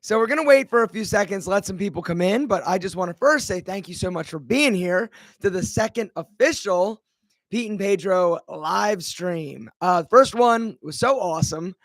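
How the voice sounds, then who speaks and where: An upbeat man hosts a live stream in a fairly high register, talking close to the mic in a dry, dead room. His voice is a little rough from allergies, and he rambles cheerfully between greetings and side stories. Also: normal speed, dry recording. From Philadelphia. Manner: energetic, chatty, greets viewers by name. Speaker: livestream host. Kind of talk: casual live Q&A chat.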